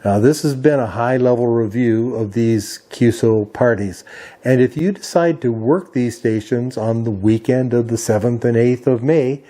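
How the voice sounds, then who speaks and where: A man's voice: mid-range voice, moderate pace, mellow. A man hosting an explanatory hobby video, methodically going through details item by item as if from notes. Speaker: amateur radio video host.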